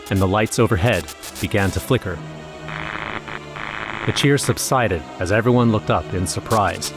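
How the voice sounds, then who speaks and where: A man's voice: fairly low pitch, natural voice, rough recording. A man playing a grim, shaken eyewitness, narrating a scripted first-person horror audio drama. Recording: music under the voice.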